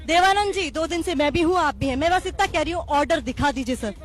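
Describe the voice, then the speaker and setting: A woman's voice: high voice, fast. A woman field reporter reporting on the spot, pleading and insistently repeating her demands, with a dry throat.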